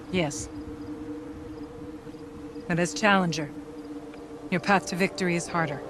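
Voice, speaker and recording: An actor playing an authoritative tribal elder presiding over a ritual hunt in a video game, with ceremonial, commanding, formal speech. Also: male voice, a little high, noisy background, close to an everyday voice. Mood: firm explanation. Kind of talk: dramatic video game acting.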